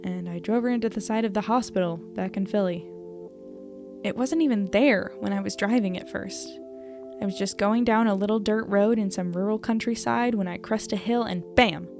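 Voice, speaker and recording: A woman's voice: mid-range voice, steady tone, normal speed, over music, lightly acted. A woman playing a wry, troubled young reporter in an audio drama, speaking with dry, understated sarcasm. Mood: weary, musing. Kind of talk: audio drama acting, diary-like monologue and dialogue.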